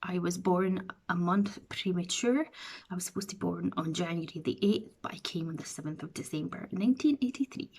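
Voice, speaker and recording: A woman's voice: fairly low pitch, brisk, darkish tone, a little hiss or hum. A woman in her thirties with a Scottish accent, chatting casually and rambling to camera from her bedroom. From Scotland. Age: 30s. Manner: chatty, rambling, self-deprecating. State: runny nose. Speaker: beauty vlogger. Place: bedroom at home, indoors.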